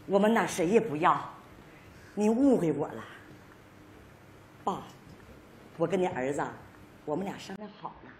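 A woman's voice: lowish voice, slight background noise, close to an everyday voice. A woman playing an earnest, devoted daughter-in-law in a stage comedy sketch, coaxing her father-in-law. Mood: frantic. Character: devoted pleading daughter-in-law, middle-aged. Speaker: sketch actress. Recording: echoey stage sound.

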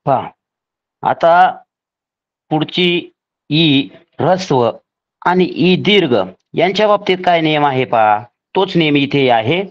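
A man teaching a grammar lesson for a scholarship exam, spelling out each rule slowly and deliberately, step by step. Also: on the high side, lively intonation, dull audio.

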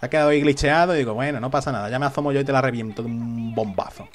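A man's voice: medium pitch, racing, soft background music. A man giving live, jokey commentary on a shooter game and taunting the enemies. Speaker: gameplay commentator.

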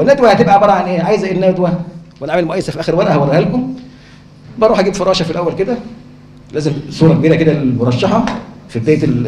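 A man's voice: a little high, a little mellow, slight background noise. A man with an Egyptian accent giving a conference lecture, who keeps asking rhetorical questions and answering them himself. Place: lecture hall. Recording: echoey hall.

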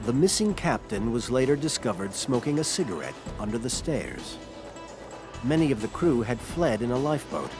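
Guy doing doc voice-over, measured and dramatic, music playing loud under him. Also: medium pitch, sing-song. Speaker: documentary narrator. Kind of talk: scripted narration. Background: loud music score.

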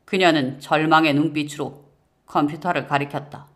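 A man narrating a first-person horror-mystery audiobook in a measured, suspenseful way. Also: a little high, fairly even intonation, a bit bright.

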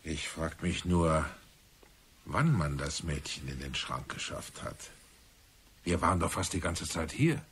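An actor playing a theatrical police commissioner who reasons deliberately and emphatically in a German radio crime drama. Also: male voice, extremely low pitch, a bit bright, slightly rough, heavily acted. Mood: rueful, pondering. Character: male police commissioner, theorizing, theatrical, probing.

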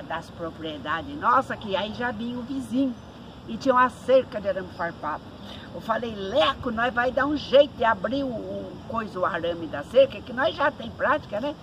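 A middle-aged woman telling a folk ghost tale in lively, colloquial rural speech, mimicking sounds as she goes. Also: fairly high pitch. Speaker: storyteller. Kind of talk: oral folk storytelling. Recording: noisy recording.

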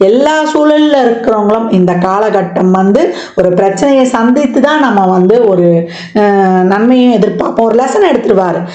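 A woman astrologer explaining a yearly forecast in a steady, explanatory way, listing one point after another with many fillers. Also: mid-range voice, normal speed, echoey room, highs cut off. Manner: explanatory, lists items with frequent fillers.

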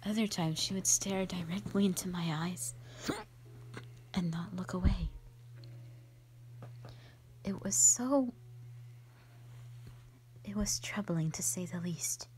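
A woman voicing a gentle, ancient black dragon, a protective and sorrowful elder sister, in a hushed, breathy, halting dramatic monologue. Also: on the low side, slight background noise, rough recording. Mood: troubled, wistful. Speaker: audio roleplay performer. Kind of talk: soft whispered dramatic monologue, ASMR-like.

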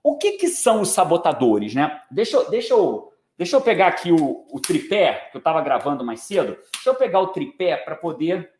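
A man's voice: on the high side, very animated, normal speed, few pauses, darkish tone. A man in his forties with a Brazilian Portuguese accent, a coach giving a live online talk, joking and slangy, who keeps checking in with his listeners. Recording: echoey room.

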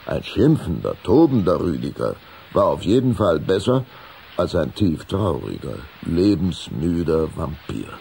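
Very deep, gravelly male narrator. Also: big pitch swings, a little slow, warm tone, slight background noise. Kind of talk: scripted children's story narration.

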